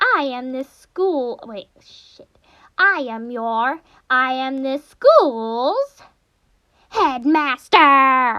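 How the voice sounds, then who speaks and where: A woman puts on a cartoonish character voice, high in pitch and at a very slow pace. The recording is very clean, with a silent background. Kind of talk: character impression.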